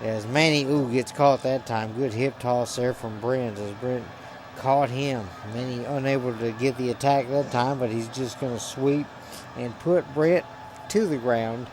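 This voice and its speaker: A man doing play-by-play commentary over a video game wrestling match, swinging from calm narration to excited calls on big moves. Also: mid-range voice.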